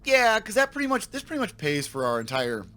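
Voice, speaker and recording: Slightly raspy man, lively pitch. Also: a little fast. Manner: thinks aloud, self-correcting, addresses viewers. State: slightly raspy from a sore throat. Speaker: let's play host. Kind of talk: casual gameplay commentary.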